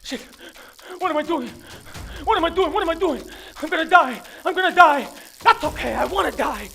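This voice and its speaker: A man's voice: very high-pitched, lively intonation, brisk, gravelly, bright, forceful tone, full character voice. An actor playing a down-and-out grieving father, self-loathing and desperate, rambling in streetwise, profane dramatic monologue. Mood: manic, despairing. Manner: rambling, profane, streetwise, talking to an unseen child.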